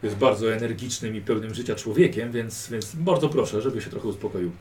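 A man's voice: lowish voice, fairly quick, dark tone. A man leads a tabletop game as game master, coaching a player step by step with patient, repeated instructions. He sits some way from the microphone. A faint hum of background noise runs under his voice. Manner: patient, instructive, drill-like repetition. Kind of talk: narrating a tabletop game in character. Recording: distant mic with background noise.

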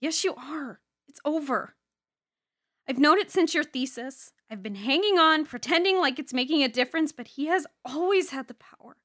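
A woman's voice: high voice, animated, normal speed, fairly bright tone, dry recording, studio quality. A woman playing a jaded, wounded and bitterly blunt young woman in an audio drama, with a sardonic way of talking. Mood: bitter, defeated.

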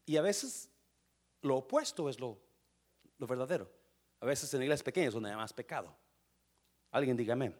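A man preaching a sermon, asking the congregation questions and swinging from quiet asides to loud bursts, with English words in his Spanish. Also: mid-range voice, animated, normal speed, pauses often. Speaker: pastor.

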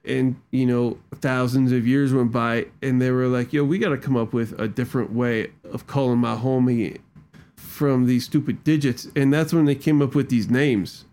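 A man's voice: mid-range voice, steady tone, moderate pace, darkish tone. A man casually rambling through a tech walkthrough into a desk microphone, with loose slangy talk and lots of fillers. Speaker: tech video creator. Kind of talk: casual screen-recording walkthrough. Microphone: studio microphone at a desk.

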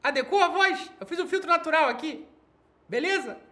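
A Brazilian man voicing a cheeky, defiant mock character in a thin, squeaky falsetto during a talk show. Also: animated, normal speed, pushed and bright, heavily acted. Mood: mocking defiance.

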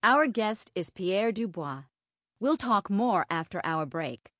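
Woman doing a friendly interviewer for a language lesson, animated pitch, dry studio. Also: slow, no room sound. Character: cheerful female interviewer Cathy. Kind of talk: scripted language-lesson dialogue.

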